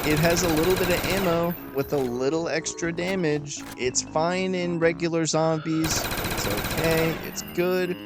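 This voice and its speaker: Emphatic young man ranking game weapons. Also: a little high. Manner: emphatic, profane, argumentative. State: tired, slightly raspy throat. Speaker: gaming video host. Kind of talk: ranking commentary. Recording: voice-over with loud music behind.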